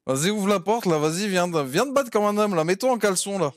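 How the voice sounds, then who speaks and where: A man's voice: high voice, lively intonation, fast, pitched above the performer's own voice. A man voicing a brash, hot-headed male gypsy crook who throws insults and keeps repeating the same filler word. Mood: aggressive. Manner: insulting, repeats "carrément" constantly. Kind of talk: roleplay character voice.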